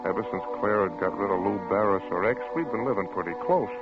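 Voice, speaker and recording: An actor playing a put-upon, jobless husband in an old radio drama, weary, defensive and dry. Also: male voice, lowish voice, fast talker, over music, close to an everyday voice. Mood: rueful. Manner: curt, dry retorts. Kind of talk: 1940s-50s radio drama acting. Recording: muffled, noisy old phone-like radio recording.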